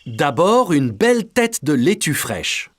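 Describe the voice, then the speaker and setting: A man voicing a kind, playful dad in a dubbed cartoon, gentle and teasing. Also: a little high, sing-song, takes it slowly, slight background noise. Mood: friendly. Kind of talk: French-dubbed cartoon acting. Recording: with music behind.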